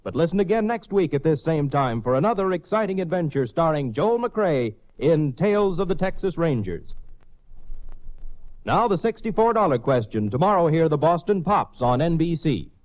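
A man announcing from a script in a formal, measured 1950s radio style, on a dull old recording. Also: on the high side, big pitch swings.

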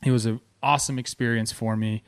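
A man in his thirties from Southern California, a former ballplayer and host, telling stories in an excited, casual way. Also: fast talker, creaky, clean tone, no echo, studio quality. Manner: excited, animated, talks with fillers like "man" and "boom". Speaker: former ballplayer hosting a show. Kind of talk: casual storytelling.

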